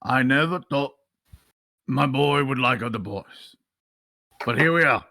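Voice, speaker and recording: A boisterous middle-aged Texan father in a tabletop game, faking a proper English voice that keeps slipping into drawling charm, as a man puts him on. His tone is bright and forward, showy and overbearing. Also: medium pitch, measured pace, gravelly, dry recording. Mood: proud. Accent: Texan over put-on English.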